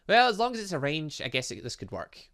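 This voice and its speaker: Animated, bright-voiced man doing game commentary. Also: fairly high pitch, fast. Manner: excitable, reactive exclamations. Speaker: gaming channel host. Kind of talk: let's play commentary, reading game dialogue aloud.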